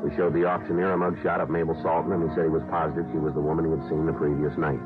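An actor playing a matter-of-fact police detective who narrates in short, flat sentences, in a 1950s radio crime drama. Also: male voice, very deep voice, rapid-fire, over music. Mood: clipped. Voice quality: flat, clipped delivery. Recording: tinny old radio broadcast.

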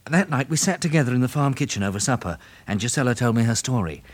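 A man with a British accent and husky voice, acting an affectionate, resolute survivor in a 1960s radio drama. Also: mid-range voice, expressive, fast, natural voice. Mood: grave narration.

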